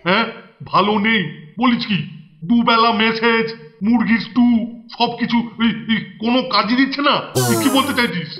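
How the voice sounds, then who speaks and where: A man's voice: extremely high pitch, moderate pace, sharp tone. A man voicing a fussy, scolding, gullible older school superintendent in a children's cartoon, blustering and repeating his phrases. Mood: concerned, fussy.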